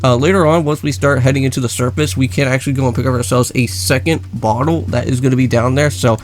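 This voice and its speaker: A man's voice: mid-range voice, steady tone, fast talker. Man giving rambling let's play commentary. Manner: rambling, explanatory, repeats phrases. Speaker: gaming video host. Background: background music.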